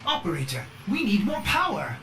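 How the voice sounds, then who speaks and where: A man's voice: sits high, wildly swooping pitch, moderate pace. A man voicing a devoted, neurotic AI ship assistant in a video game, earnest, polite and dramatic. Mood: urgent. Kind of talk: video game character acting. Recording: music behind the voice.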